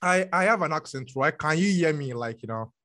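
A man with a Nigerian accent hosting a podcast interview, speaking haltingly with many restarts and fillers. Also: fairly high pitch, lively intonation, sharp tone. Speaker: podcast host.

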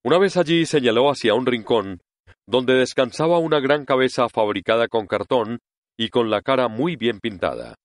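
A man narrating an audiobook story in an expressive reading voice, close to the mic. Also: medium pitch, moderate pace, no room sound.

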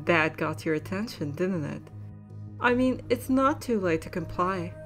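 A smug young villainess, acted by a woman in an audio drama, mocking and menacing. Her voice sits fairly low, with faint music underneath. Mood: taunting. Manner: mocking, deliberate. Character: taunting female kidnapper in late twenties, smug, menacing. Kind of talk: fan audio drama acting.

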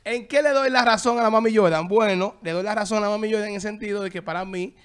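High-voiced man hosting. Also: quick pace, smooth. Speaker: talk show host. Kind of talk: casual chat.

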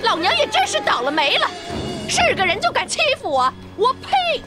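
An actress playing a bitter, furious middle-aged concubine in a period TV drama, shrieking and scolding. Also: female voice, very high-pitched, huge pitch swings, moderate pace, over loud music, exaggerated voice. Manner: shrieking, scolding, spitting insults.

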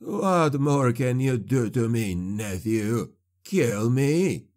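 A man voicing a broken old male sorcerer, locked in a cage, speaking slowly with a wheezing sneer. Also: mid-range voice, expressive, a little mellow. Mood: defiant. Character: broken old male sorcerer, caged, mocking then fawning.

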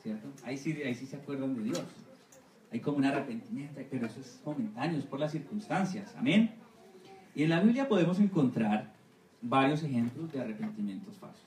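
A missionary pastor giving a Sunday school sermon, often asking the congregation for agreement with amen and right. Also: male voice, mid-range voice, animated, brisk, a little mellow, recorded from a distance, slight background noise. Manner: asks the congregation for assent, repeating amen and right. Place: church hall. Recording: echoey room, voice from off-mic.

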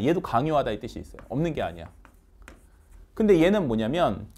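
Lively, animated male vocabulary teacher. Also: fairly high pitch. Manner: energetic, coaxing, quizzes students with quick questions. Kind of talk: online lecture.

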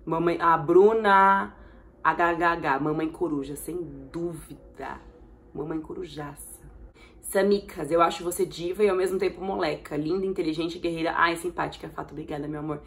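Excitable Brazilian woman vlogger. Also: deep voice, creaky. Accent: Brazilian Portuguese. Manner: expressive, excitable, rapid bursts and shrieks. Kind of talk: casual vlog reacting to viewer comments.

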